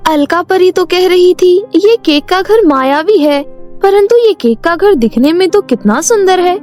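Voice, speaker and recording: A woman voicing a helpful, polite and clever young girl in an animated moral story. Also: very high-pitched, a little slow. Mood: curious, polite. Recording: music behind the voice.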